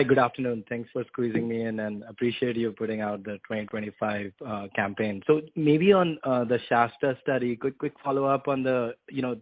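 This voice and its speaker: Mid-pitched man, dry telephone line. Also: no room sound. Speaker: financial analyst. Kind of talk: asking questions on an earnings call. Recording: dry, narrow phone line.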